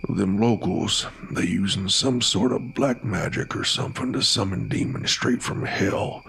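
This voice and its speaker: A man voicing a calm, burly hill man with a thick, flat rural American country accent. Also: fairly low pitch, unhurried, vocal fry, a little hiss or hum, pitched below the performer's own voice. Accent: rural American country drawl. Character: gruff hillbilly man, calm, deadpan, heavyset.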